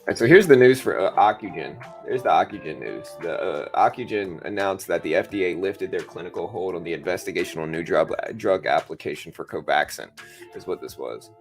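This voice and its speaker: Raspy man livestreaming over music. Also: low-pitched, animated, a little fast. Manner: laid-back, slangy, addressing viewers as bro. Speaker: livestream host, stock trader. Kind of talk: casual live market commentary with chat. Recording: music playing behind the voice.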